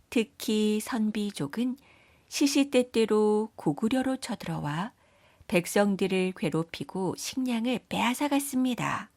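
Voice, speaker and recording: A woman's voice: mid-range voice, a little mellow, dry recording. Woman narrating a children's tale, dry sound. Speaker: storyteller. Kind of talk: scripted children's story narration.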